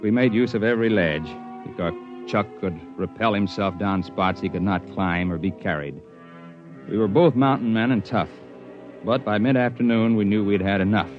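An actor narrating as a tough, plain-spoken mountain climber in a 1950s radio drama, on an old broadcast recording with faint music. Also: male voice, lowish voice, moderate pace, muffled recording, natural voice. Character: tough mountain climber, grown man, dry humor. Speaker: narrator and lead.

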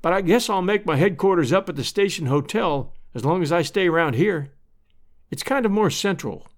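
A man's voice: sits high, expressive, normal speed, voice pushed up. A man voicing a plain-spoken, good-hearted country fellow home from out west, earnest and folksy, in a storybook. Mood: polite. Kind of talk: storybook character voice.

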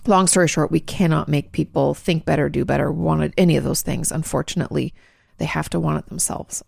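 A woman's voice: low voice, gravelly, darkish tone, dry recording, clean studio sound. A congested woman hosting a podcast, frankly answering listener questions in casual advice talk, full of fillers and restarts. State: congested, clearing her throat.

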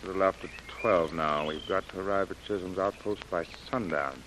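Brisk male expedition commander, played by an actor, crisp and commanding, over a faint hiss. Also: low voice, close to an everyday voice. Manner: crisp, commanding, giving orders. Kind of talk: 1930s radio drama acting.

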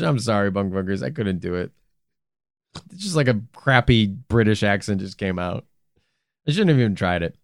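Animated joking male podcast co-host. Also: medium pitch, dry recording, clean studio sound. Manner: animated, jokey, swears casually. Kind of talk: true crime podcast chat.

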